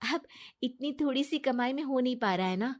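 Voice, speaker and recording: Woman putting on high trusting young wife. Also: moderate pace, natural voice. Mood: earnest. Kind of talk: cartoon story voice acting.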